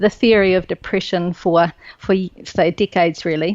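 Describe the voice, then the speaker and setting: At a moderate pace, a woman with a New Zealand accent speaks at medium pitch, recorded dry and close with no echo. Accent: New Zealand, broad. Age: 40s. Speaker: biochemist and natural medicine practitioner. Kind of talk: podcast interview.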